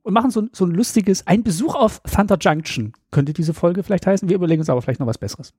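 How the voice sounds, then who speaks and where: A man's voice: sits high, animated, fast talker, a little mellow, husky, no room sound, clean studio sound. A man co-hosting a podcast, explaining things in an upbeat, casual way. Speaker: podcast co-host.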